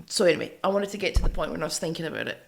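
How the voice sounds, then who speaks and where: A woman's voice: deep voice, racing, gravelly. A woman co-hosting a music podcast, chatting casually and giving opinions emphatically in short phrases.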